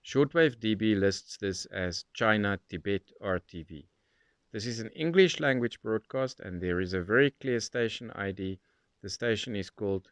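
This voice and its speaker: A man with a fairly low, clean and smooth voice narrates in an informal, explanatory way. The sound is dry and close, like a hobbyist talking through a demonstration. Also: a bit bright, no room sound. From South Africa. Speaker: shortwave radio hobbyist narrator.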